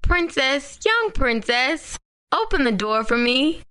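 A woman voicing a persistent little male frog in a storybook reading, speaking in a soft, coaxing way. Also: high voice, sing-song, takes it slowly, exaggerated voice. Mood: pleading.

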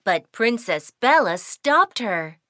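A woman's voice: a little high, very animated, takes it slowly, fairly bright tone, dry recording, clean studio sound. A woman narrating a children's cartoon in a sing-song, cheerful storytelling way.

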